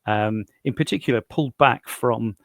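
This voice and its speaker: A South London man in his sixties gives conversational interview answers in a medium-pitched voice. He explains haltingly, often repeating words, and the sound is dry and close. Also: dry recording. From South London, England.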